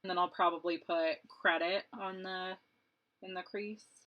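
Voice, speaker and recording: A woman in her late twenties, a beauty vlogger, rambles casually while applying her makeup, laughing often. Her voice is fairly low and steady, her pace measured, and the recording sounds muffled.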